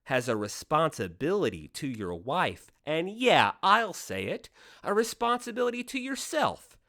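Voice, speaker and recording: A man's voice: on the high side, big pitch swings, measured pace, gravelly, sharp tone, full character voice. A man playing a sly, sardonic devil-like tempter in a radio play, speechifying in a persuasive, mock-folksy way. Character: sly, theatrical male devil-like deal maker, smooth tempter.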